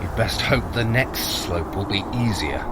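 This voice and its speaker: An actor playing a sly, haughty trickster god in an audio adventure, precise, formal and theatrical. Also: male voice, on the low side, lively intonation, a little slow, reverberant, long reverb tail, heavy background noise. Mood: dry, wary. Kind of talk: scripted audio adventure acting.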